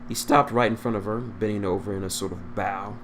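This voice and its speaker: A man's voice: lowish voice, fairly even intonation, a little fast, fairly bright tone. A man reading fan fiction aloud as an amateur narrator, stumbling over words, on a noisy recording.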